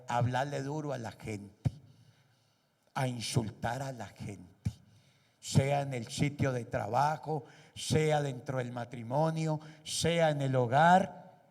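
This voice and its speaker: A man's voice: mid-range voice, creaky, a little mellow. A pastor preaching a sermon. He is emphatic and keeps putting rhetorical questions to the congregation. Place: church hall. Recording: echoey church hall.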